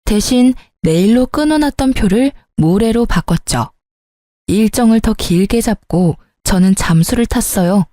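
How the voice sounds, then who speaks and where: Calm, mellow woman storyteller. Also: medium pitch, measured pace, dry recording, studio quality. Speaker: story narrator. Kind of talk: scripted first-person story narration.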